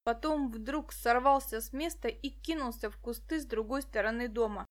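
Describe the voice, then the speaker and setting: A woman narrating an audiobook in a lively storytelling manner. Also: a little high, normal speed. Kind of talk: scripted narration.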